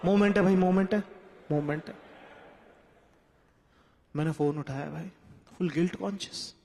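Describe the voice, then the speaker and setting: A man doing stand-up comedy in Hindi, telling a story with acted-out quotes and moving from hushed asides to shouting. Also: high voice, moderate pace, vocal fry. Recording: echoey hall with audience noise.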